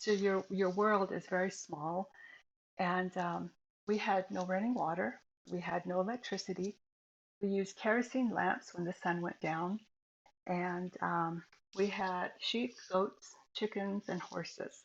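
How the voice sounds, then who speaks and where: With a Southwestern US accent, a woman of medium pitch speaks at a fairly slow pace, with fairly even intonation and long, frequent pauses. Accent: Navajo-accented English. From Navajo reservation, northern Arizona. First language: Navajo. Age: 60s. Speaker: retired nurse and author sharing her life story. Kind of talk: interview testimony. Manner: halting, with fillers and repeats.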